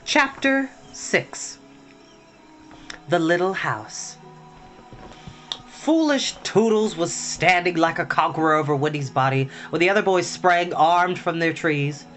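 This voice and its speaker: A man's voice: fairly high pitch, lively intonation, takes it slowly, a bit bright. A man reading a children's storybook aloud in a theatrical, dramatic way. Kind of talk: expressive reading of a children's novel. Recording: music playing behind the voice.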